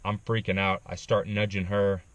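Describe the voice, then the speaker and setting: Male vlogger, low voice, casual animated storyteller, dry recording. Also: normal speed, no echo, lo-fi sound. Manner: animated retelling with frequent ums. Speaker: backpacking vlogger.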